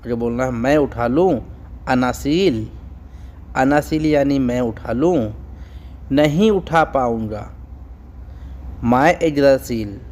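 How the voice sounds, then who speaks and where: A man teaching phrases in a language lesson, saying each one slowly and repeating it. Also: mid-range voice, darkish tone, a little hiss or hum.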